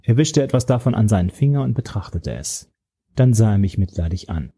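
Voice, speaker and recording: Man, audiobook narrator, first person, grave, steady, low, husky. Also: fairly quick.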